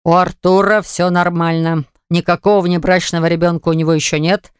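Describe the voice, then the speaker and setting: A woman's voice: fairly low pitch, level tone, fairly quick, clean tone, no room sound, clean studio sound, lightly acted. Woman voicing a curt businesslike son.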